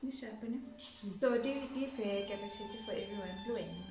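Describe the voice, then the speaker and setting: A woman's voice: medium pitch, brisk. A young adult woman with a South African accent, chatting casually as she hosts a vlog. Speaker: vlogger hosting an eating challenge. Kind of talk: casual chat. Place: small living room, indoors. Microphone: camera a short distance away. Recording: echoey room, music behind.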